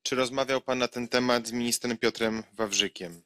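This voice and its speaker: A man asking formal questions at a hearing in a crisp, mid-pitched voice. His tone is bright and forceful, and the close mic sounds dry. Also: steady tone, moderate pace, no echo. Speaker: committee deputy chairman.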